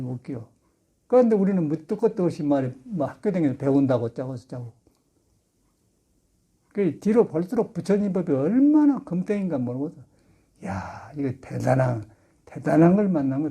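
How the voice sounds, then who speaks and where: A man's voice: on the high side, warm tone. An older man, a Buddhist monk, giving a folksy Sunday sermon full of anecdotes and laughter. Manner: chatty storytelling with laughter. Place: temple dharma hall.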